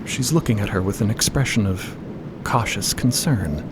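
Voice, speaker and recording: A man's voice: on the low side, lively intonation, moderate pace, very noisy. A man narrating a scripted audio drama as a storyteller.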